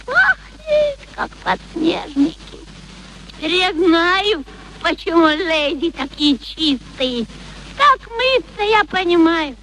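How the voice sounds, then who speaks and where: A woman's voice: extremely high pitch, big pitch swings, slow pace, sharp tone, a little hiss or hum, heavily acted, poor audio. An actress playing a brash, naive young flower girl with uneducated, exclamatory chatter in a radio play. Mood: naive wonder.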